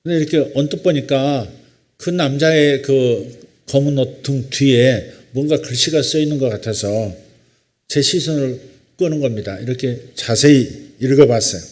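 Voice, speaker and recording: A male pastor preaching a sermon, reading scripture slowly and solemnly, then telling a story in a relaxed, conversational way. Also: mid-range voice.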